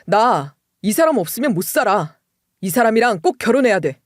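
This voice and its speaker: A woman's voice: fairly low pitch, fairly even intonation, fairly quick, darkish tone, no room sound, clean studio sound, voice pushed down, lightly acted. A woman voicing a devoted young husband who speaks firmly and protectively. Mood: shouting. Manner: reassuring, firm.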